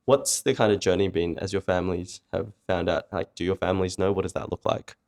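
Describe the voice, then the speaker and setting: A man's voice: sits low, fairly even intonation, brisk, a little mellow. A man interviewing guests casually and conversationally, with a playful, teasing manner. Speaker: interviewer, podcast host.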